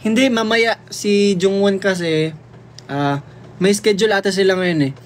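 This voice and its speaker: A man's voice: high voice, a little slow. Playful young man chatting on a livestream. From Philippines. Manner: playful, chatty, reads and answers comments aloud; switches freely between languages mid-sentence. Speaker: livestream host. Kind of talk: casual livestream chat.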